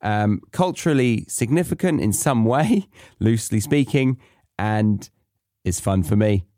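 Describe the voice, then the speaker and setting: A man's voice: on the low side, lively intonation, measured pace, mellow, no echo, clean studio sound. A man hosting a podcast for learners, explaining things in a chatty way. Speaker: podcast host for language learners. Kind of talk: casual explanatory monologue.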